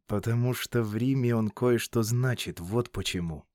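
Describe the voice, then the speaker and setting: Brief: exasperated Roman officer, practical, read by the narrator. Dry studio sound. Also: male voice, mid-range voice, normal speed, a little mellow, no echo, natural voice. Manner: exasperated, warning. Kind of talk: audiobook character reading.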